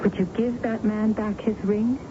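A woman's voice: mid-range voice, level tone, moderate pace, close to an everyday voice. An actress playing an eager, inquisitive young daughter in a radio drama, earnest and girlish in her questions. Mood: curious, troubled. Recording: dull, noisy vintage radio broadcast.

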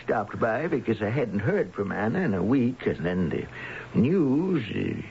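An actor playing a kindly, concerned middle-aged employer in a radio drama, gentle, solicitous and a little hesitant. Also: male voice, on the low side, big pitch swings, unhurried, creaky, heavily acted. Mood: worried. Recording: dull, noisy vintage radio broadcast.

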